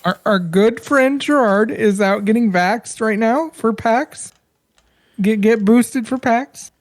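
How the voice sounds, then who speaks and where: A woman's voice: on the high side, slow. A woman hosting a podcast stream, teasing her co-host in dry, mock-serious comedic banter.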